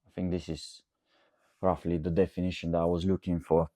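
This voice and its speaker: A man's voice: low voice, level tone, brisk, warm tone, dry recording, studio quality. A man from Bulgaria with a Bulgarian accent talks casually and unscripted as a coach, rambling a little and often checking with "okay?". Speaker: coach and host answering audience questions. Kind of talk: casual unscripted talk to camera.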